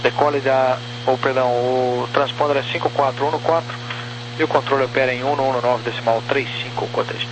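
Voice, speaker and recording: A man with a Brazilian accent working as an air traffic controller, giving procedural, clipped clearances with digits spelled out over a crackly radio. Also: mid-range voice, steady tone, fairly quick. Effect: crackly aviation radio. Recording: noisy crackly radio transmission with hum.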